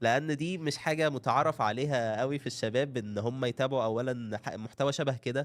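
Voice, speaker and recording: A man with a medium pitch talks at a moderate pace with fairly even intonation and hardly any pauses. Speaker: content creator. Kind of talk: casual interview chat. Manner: quiet, calm voice.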